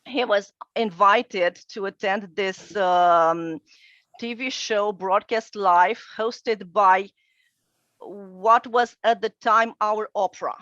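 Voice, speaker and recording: A middle-aged woman from northern Romania, a native Romanian speaker, calmly recounting her career as a translator and interpreter, with frequent hesitations. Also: mid-range voice, no echo. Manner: measured, many hesitations. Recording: dull dry video-call audio.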